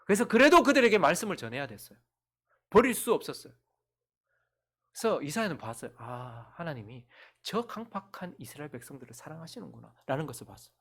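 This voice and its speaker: Man, middle-aged, pastor, sermon, animated pitch, shifts from loud to whispered, acts out quoted voices. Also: quick pace, breathy edge. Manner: lively preaching that swings from loud calls to hushed near-whispers.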